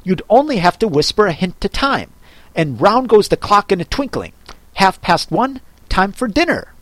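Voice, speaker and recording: A man's voice: sits high, very animated, fairly bright tone, dry recording, voice pushed up. A man putting on a grumbling, contrary hatter. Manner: grumbling, contemptuous, quick talker.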